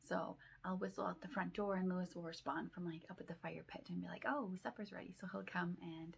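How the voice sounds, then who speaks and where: Here a woman's voice sits at a medium pitch. There is a slight breathiness to it. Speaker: mom vlogger. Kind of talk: casual tutorial vlog. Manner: fast; chatty, informal.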